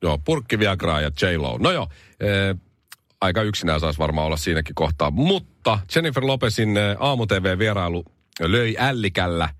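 A man's voice: deep voice, big pitch swings, a bit bright, no echo, clean studio sound. A man co-hosting a morning radio show, joking around and reading out news items in casual chat.

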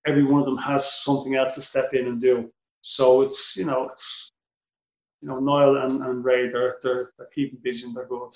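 A middle-aged man with an Irish accent, a boxing coach answering interview questions, animated and restarting his sentences often. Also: medium pitch, moderate pace, roomy sound, low-quality recording. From Ireland. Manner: animated, repeats words when starting sentences.

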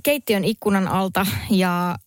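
A woman on a panel show telling a self-mocking childhood story in a casual, animated way. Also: mid-range voice, dry recording, clean studio sound.

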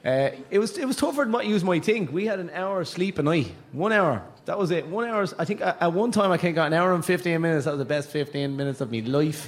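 A man's voice: fairly high pitch, expressive, quick pace, hardly any pauses. An Irish man chatting casually as a guest, self-deprecating and repeating his points for emphasis, with some swearing. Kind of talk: casual, sweary chat on stage.

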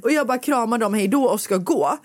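A woman hosts a casual podcast chat, telling a story with lively energy and voicing the people in it. Her voice is close and dry, with no room sound around it. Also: on the high side, dry recording. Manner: animated storytelling, acting out quotes. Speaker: podcast host.

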